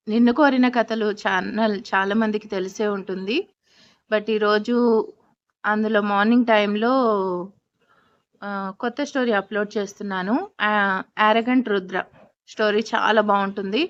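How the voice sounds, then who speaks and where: A woman narrating an audio story and chatting softly with her listeners. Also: medium pitch. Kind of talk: casual chat and scripted story narration. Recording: dull, dry recording.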